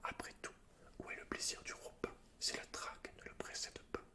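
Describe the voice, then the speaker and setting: A man voicing a sly, taunting golden-furred beast from a fantasy story in a breathy whisper. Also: moderate pace, natural voice. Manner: taunting, probing.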